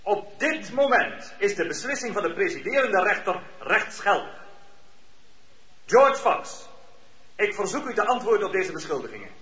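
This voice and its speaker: An actor playing a stern, impatient presiding judge who speaks in formal, commanding legal phrases in a radio drama. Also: male voice, sits high, sing-song, moderate pace, pushed and bright, heavily acted. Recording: roomy, dull lo-fi radio recording.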